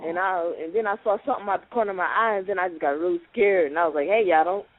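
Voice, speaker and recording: Male caller, high voice, rambling and earnest, phone line with hiss. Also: very fast. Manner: earnest, rambling, acts out quotes. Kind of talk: casual storytelling.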